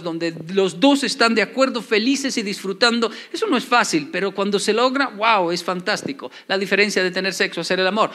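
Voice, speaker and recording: A middle-aged man delivers a motivational talk in a light, high voice. He jokes freely and slips into quick acted-out exchanges, keeping the tone animated. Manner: animated, joking, acts out dialogues. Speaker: motivational speaker. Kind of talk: humorous public talk.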